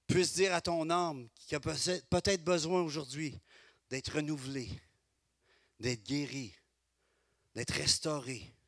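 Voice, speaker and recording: A middle-aged man preaches with a Québécois French accent, his voice bright, forceful and pitched a little high for a man. He swings from ringing exclamations down to quiet, confiding asides. The sound is close and dry. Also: dry recording. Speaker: pastor. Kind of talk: sermon.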